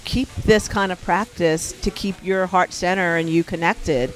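A woman's voice: fairly low pitch, steady tone, measured pace, poor audio. A woman speaking casually as a workshop leader and podcast guest in a hotel lobby. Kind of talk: casual interview talk.

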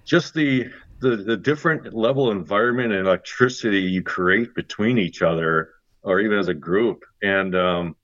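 A low-voiced man chats as an interview guest, easygoing and halting, with plenty of ums along the way. His audio sounds dull and lo-fi. It is close and dry, with no room in it. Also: no room sound. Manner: relaxed, halting with fillers. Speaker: guest, co-author. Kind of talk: casual interview talk.

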